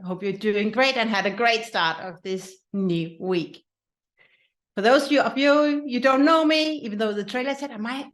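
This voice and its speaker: A woman's voice: on the high side, a bit bright. A woman from Denmark with a Danish accent, whose first language is Danish, hosting her own podcast in an earnest, personal way with many restarts. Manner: earnest, with frequent restarts and repetitions. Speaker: podcast host. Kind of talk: casual solo podcast talk.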